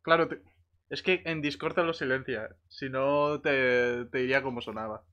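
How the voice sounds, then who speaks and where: A man with a Castilian accent from Spain chats with friends during online roleplay. He tells anecdotes in loose slang with swearing, his voice at a middling pitch. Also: fairly even intonation, normal speed, sharp tone, muffled recording. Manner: colloquial, sweary. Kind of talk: casual chat, anecdotes.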